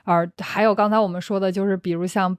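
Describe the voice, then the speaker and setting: A woman's voice: mid-range voice, steady tone, quick pace, smooth, no echo. A young woman with a Beijing accent, hosting and explaining words to learners in casual chat, often laughing. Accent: Beijing Mandarin. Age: young adult. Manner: chatty, breaks into laughter, restarts phrases. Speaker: Chinese teacher and host.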